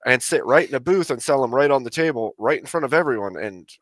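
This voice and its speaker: A man's voice: medium pitch, lively intonation, quick pace, a bit bright, dry recording. A man hosting a live stream, chatting casually and telling a story in a dry, matter-of-fact way. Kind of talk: casual chat.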